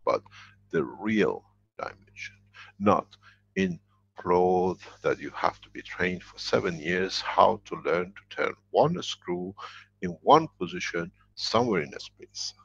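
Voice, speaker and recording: Deep gravelly man lecturing. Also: sing-song, slow, fairly bright tone. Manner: emphatic, repeats key phrases. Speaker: workshop lecturer. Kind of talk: spoken workshop lecture. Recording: dull lo-fi recording.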